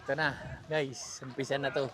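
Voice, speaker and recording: A man's voice: mid-range voice, little pitch movement, moderate pace, a crowd in the background. A man hosting a casual hiking vlog, out of breath and joking as he talks to his viewers. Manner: joking, addresses viewers directly. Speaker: travel vlogger. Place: outdoor mountain trail.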